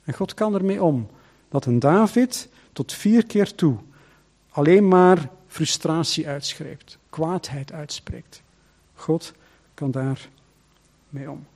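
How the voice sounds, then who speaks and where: A man preaching a sermon as pastor, emphatic and full of rhetorical questions, swinging between loud and hushed. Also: on the high side, slow, pauses often.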